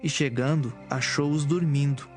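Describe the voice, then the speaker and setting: A man narrating dramatised scripture from a script, with measured storytelling phrasing. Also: fairly high pitch, soft background music.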